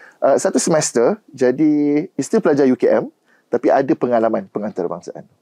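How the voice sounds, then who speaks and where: A man talks very fast in a fairly high pitch with very wide pitch swings, his dark, mellow tone kept at a very even loudness in a dry, close sound with no echo. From Malaysia, Kuala Lumpur (TTDI), northern family. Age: 40s. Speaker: professor. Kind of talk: podcast interview. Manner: code-switching Malay and English.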